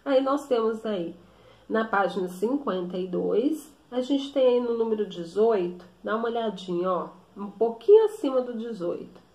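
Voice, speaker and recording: A woman teacher explaining a grammar lesson slowly, often stopping to check with her students. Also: a little high, expressive, a little mellow. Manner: slow, explanatory, with frequent check-in questions. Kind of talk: recorded classroom lesson. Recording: echoey room.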